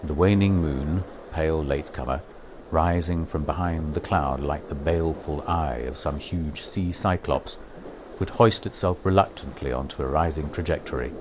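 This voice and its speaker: A man's voice: very deep voice, normal speed, noisy background. A man reading polished scripted narration for documentary and promotional films. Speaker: voice-over artist.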